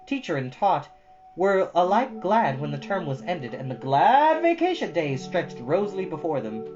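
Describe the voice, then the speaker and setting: Woman storyteller, lowish voice, very lively intonation, dramatic emphasis, chatty asides, music underneath, slightly muffled. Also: moderate pace. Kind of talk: expressive children's book reading with chatty asides.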